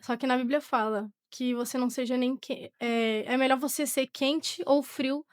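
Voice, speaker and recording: Teen girl w brazilian accent telling her testimony, highish voice, kinda halting, very dry sound. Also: fairly even intonation, no echo. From Portugal, born to a Brazilian family. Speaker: podcast guest, young church singer. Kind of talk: personal testimony in conversation.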